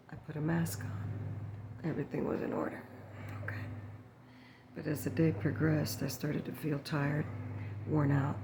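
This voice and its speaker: A woman, telling a story in a soft, unhurried ASMR chat to viewers and drifting into whispers, while sitting at home. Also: low voice, creaky, background noise. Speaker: ASMR channel host.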